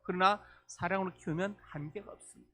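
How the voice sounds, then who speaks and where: A man's voice: high-pitched, fairly even intonation, fairly quick, fairly bright tone. Korean male pastor preaching a sermon. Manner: storytelling, acting out quoted dialogue with rising emotion. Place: church sanctuary.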